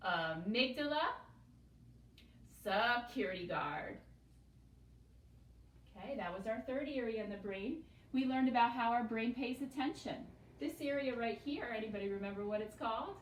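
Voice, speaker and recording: A woman teaching young students, explaining slowly and patiently, with call-and-response repetition. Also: mid-range voice, a little hiss or hum. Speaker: elementary school teacher. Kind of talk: classroom lesson video. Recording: echoey room, voice from a distance.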